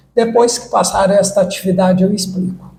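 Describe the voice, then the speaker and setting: The man's voice is high-pitched with fairly even intonation. Audible room echo surrounds it. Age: 60s. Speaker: entrepreneurship teacher. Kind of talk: online video lecture.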